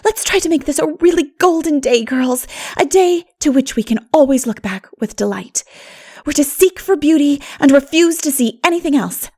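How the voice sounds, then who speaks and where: A woman's voice: high voice, lively intonation, moderate pace, a little mellow, pitched above the performer's own voice. A woman reading an audiobook as an exuberant, dreamy young woman who talks in an earnest, gushing, flowery way. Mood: blissful, gushing. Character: Anne, exuberant, dreamy, poetical schoolgirl-spirited young woman. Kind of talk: audiobook character voice.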